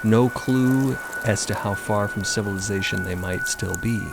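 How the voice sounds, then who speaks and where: A man giving measured, descriptive scripted narration for a fiction podcast. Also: on the low side, creaky, heavy background noise.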